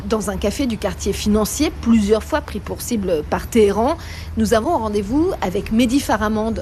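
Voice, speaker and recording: Woman field reporter; calm, even scripted read, with clear street and traffic sound around. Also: medium pitch, normal speed. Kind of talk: scripted news report narration.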